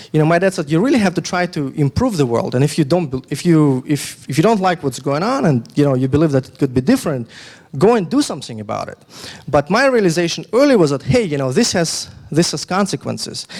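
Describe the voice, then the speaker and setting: Talking at a very fast pace, a man with a fairly high voice swings his pitch very widely. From Kyrgyzstan (former Soviet Union). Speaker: university lecturer. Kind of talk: conference talk. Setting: lecture hall with audience.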